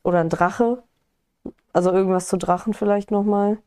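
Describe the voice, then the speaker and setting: Woman, mellow mid-range voice, loose and eager gaming chat. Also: medium pitch, steady tone, normal speed, clear, resonant tone. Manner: chatty, enthusiastic, swears casually.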